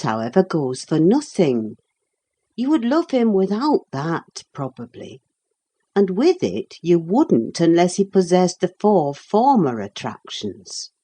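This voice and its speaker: A woman reading a sensible, plain-spoken housekeeper in an audiobook, with a steady, reasoning manner. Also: lowish voice, breathy edge, exaggerated voice.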